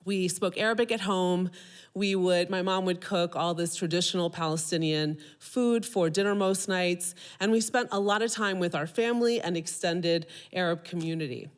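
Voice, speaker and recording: A woman in her fifties from Maryland telling a personal story on stage, playful and comic, acting out her younger self in quotes. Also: mid-range voice. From Maryland, USA.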